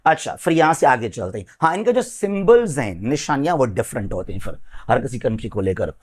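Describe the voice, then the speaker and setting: A man's voice: medium pitch, very animated, fairly quick. A man teaching a geography lesson, pointing along a map and repeating country and currency names, often checking in with his class. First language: Sindhi.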